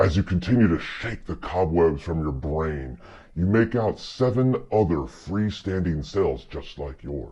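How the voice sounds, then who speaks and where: At a moderate pace, a man's very deep, low voice moves through very wide pitch swings. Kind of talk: dramatic fantasy narration. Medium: solo performance. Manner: slow, suspenseful.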